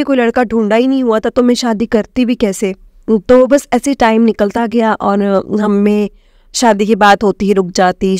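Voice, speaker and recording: A young woman from Himachal Pradesh, India shares her personal testimony as a devotee, warmly addressing the congregation as "sangat ji" and mixing in English words. Her voice is medium-pitched, and the studio-quality recording has no echo.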